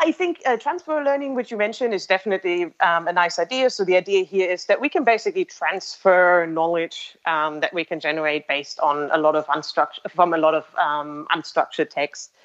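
Woman guest, low voice, hesitant, lo-fi sound. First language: German. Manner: thoughtful, many ums and restarts, light laughs. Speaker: interview guest, language-tech developer. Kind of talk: casual explanatory interview talk. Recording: muffled lo-fi audio.

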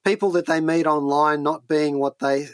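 A man's voice: fairly high pitch, steady tone, moderate pace, no echo. Man, radio co-host, conversational reviewing, repeats words while thinking, dry studio sound.

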